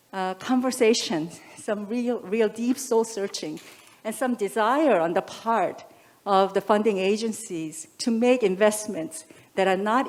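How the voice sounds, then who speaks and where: Brief: woman, scholar on a panel, thoughtful, measured speech. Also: medium pitch, darkish tone. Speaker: panel presenter, academic. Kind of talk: academic panel remarks.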